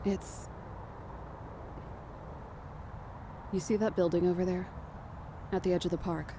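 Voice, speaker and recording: A woman's voice: fairly low pitch, little pitch movement, a little fast, close to an everyday voice. A woman acting a weary, protective young leader of fugitives in an audio drama, with a subdued, serious delivery. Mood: grave, bitter. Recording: noisy outdoor ambience bed.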